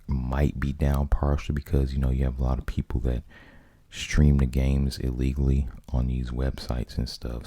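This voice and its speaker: Male ASMR host, American, soft-spoken casual monologue, dark mellow tone, very dry close recording. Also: extremely low pitch, vocal fry, breathy edge, no echo. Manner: rambling, conversational.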